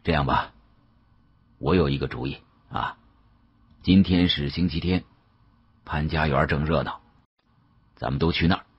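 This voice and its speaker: A man voicing a shrewd older male professor in an audiobook, speaking in a measured, avuncular way. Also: extremely low pitch, husky, muffled recording, voice pushed down, exaggerated voice. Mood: calm, deliberate.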